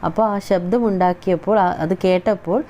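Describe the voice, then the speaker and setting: A woman teaching a children's Hindi lesson. She recites a poem slowly in a sing-song way, then explains it patiently and asks the children questions. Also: fairly low pitch, fairly even intonation, dark tone, slight background noise.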